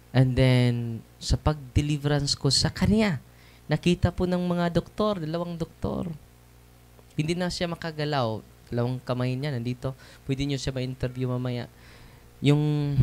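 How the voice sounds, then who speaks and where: A man's voice: fairly high pitch, a little mellow. A man, a Catholic priest, giving a conversational testimony sermon to a seated audience, often tossing tag questions back at them. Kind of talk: preaching testimony to a live audience. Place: church or hall with seated audience.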